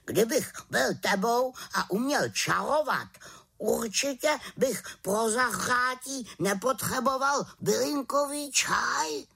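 A woman voicing a wise, grumbling male raven in a storybook reading, with a croaking, lecturing manner. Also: a little high, animated, a bit bright, voice pushed up, exaggerated voice. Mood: scolding. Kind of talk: audiobook character reading.

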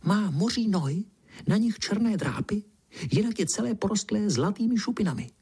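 A man voicing a timid, gossipy female tree frog in a bedtime story, talking in a hushed, breathless whisper. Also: sits high, lively intonation, breathy edge, voice pushed up, full character voice. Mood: secretive.

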